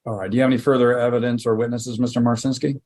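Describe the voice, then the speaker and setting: A male judge with a mid-pitched voice presides over a hearing in a courtroom recording. He moves through procedure with short prompts and plain questions. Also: flat delivery, very fast, a little mellow.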